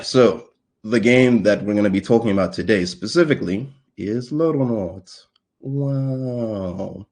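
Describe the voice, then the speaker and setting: A man's voice: low-pitched, gravelly, a little mellow, slightly rough. A young man from South Africa giving a casual, playful conference talk, joking at his own expense with lots of fillers. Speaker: conference speaker.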